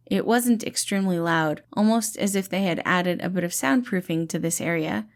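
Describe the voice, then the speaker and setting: A woman's voice: on the low side, normal speed. Woman reading a story aloud. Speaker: fan fiction reader. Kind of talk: scripted story narration.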